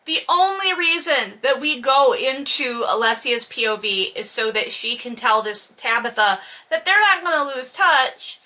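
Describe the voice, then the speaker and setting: A woman's voice: high voice, animated, a little slow, hardly any pauses, pushed and bright. A woman giving casual, comedic book commentary in an exasperated, sarcastic, sweary manner full of exaggeration. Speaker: host reading and critiquing a novel.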